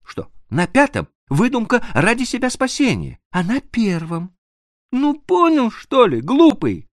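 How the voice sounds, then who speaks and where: Brief: a man playing a bright, eager young officer in a storybook reading. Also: extremely high pitch, huge pitch swings, measured pace, no echo, clean studio sound, pitched above the performer's own voice, exaggerated voice. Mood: teasing. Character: young dashing male officer, eager and teasing.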